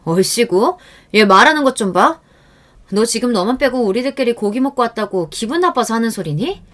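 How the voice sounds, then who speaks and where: A woman voicing a sharp-tongued middle-aged aunt who scolds and needles her niece in a spoken true-story tale. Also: on the high side, lively intonation, brisk, voice pushed up. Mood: defensive, irritated.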